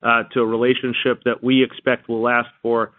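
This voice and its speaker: A man answers as an executive on an earnings call, his delivery measured and halting. His pitch stays very even, and the sound is dry and tinny, squeezed through a phone line. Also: dry recording. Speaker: company executive answering analysts.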